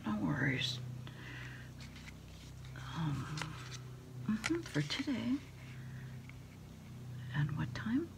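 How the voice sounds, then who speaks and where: A middle-aged woman doing a hushed ASMR roleplay, unhurriedly taking orders into a phone handset. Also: medium pitch, very animated, drawn-out words, vocal fry, pauses often, background noise. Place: small indoor desk space.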